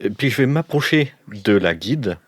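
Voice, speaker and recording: A man's voice: on the low side, lively intonation, moderate pace, dry recording, studio quality. A man playing a tabletop game, improvising and chatting casually. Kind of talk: casual improvised role-play chat.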